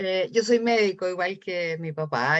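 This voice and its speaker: Speaking with ordinary pitch variation, a woman talks. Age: 60s. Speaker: physician and screenwriter. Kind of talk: panel discussion.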